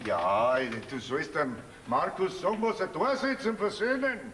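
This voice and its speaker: A man's voice: sits high, huge pitch swings, unhurried, fairly bright tone, slight background noise, full character voice. An actor playing a jovial, teasing old farmer grandfather with a Bavarian accent in a stage folk comedy. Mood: coaxing. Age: older. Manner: teasing, folksy. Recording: roomy stage sound with reverb.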